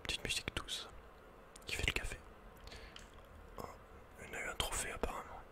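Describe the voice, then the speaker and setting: A man whispering unhurriedly as he thinks aloud, hosting an ASMR video game playthrough. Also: brisk. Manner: whispering throughout. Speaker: ASMR gamer host.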